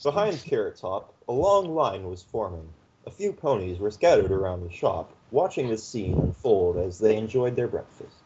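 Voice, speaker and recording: A man narrating a fanfiction story aloud in a steady, measured way. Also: fairly low pitch, muffled recording, slight background noise.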